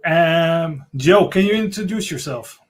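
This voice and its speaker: A man hosting a live online talk, his voice sitting a touch higher than most men's. He greets viewers and hands over to guests with short, friendly questions, heard through a webcam mic on a video call from a room at home. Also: expressive, a little slow. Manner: friendly, brief prompting questions. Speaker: host. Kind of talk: casual livestream talk.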